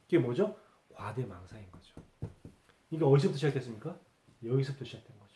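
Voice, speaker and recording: Korean pastor preaching in an echoey church. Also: male voice, mid-range voice, lively intonation, quick pace, dark tone. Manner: rhetorical questions answered himself, repeats key words. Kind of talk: sermon. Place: church sanctuary.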